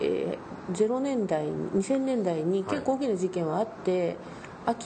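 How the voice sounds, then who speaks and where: A woman's voice over noticeable background noise. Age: 50s. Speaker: journalist and author. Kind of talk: interview.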